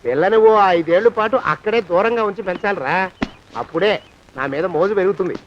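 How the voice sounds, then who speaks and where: A man's voice: high voice, a little fast, close to an everyday voice. An actor playing a bossy, stingy man who scolds and barks orders at his servants in a film comedy. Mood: scolding. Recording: dull film soundtrack.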